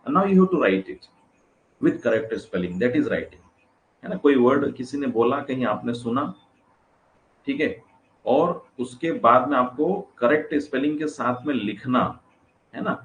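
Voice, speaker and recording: A man's voice: medium pitch, expressive, slow pace, dull audio. A male teacher giving a classroom lecture, switching between Hindi and English, repeating phrases and putting questions to his students. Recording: echoey room, faint background noise.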